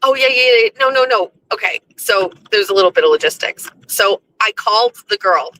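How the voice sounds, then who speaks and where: A young woman with a hoarse voice, telling a story on her own show in a casual, chatty way, laughing often and swearing freely. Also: medium pitch, expressive, brisk, fairly bright tone, rough recording. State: hoarse from screaming. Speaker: podcast host.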